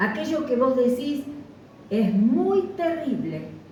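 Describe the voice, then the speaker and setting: Very slowly and with lively intonation, a woman speaks amid noticeable background noise and audible room echo. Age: 80s+. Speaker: pastor. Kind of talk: sermon.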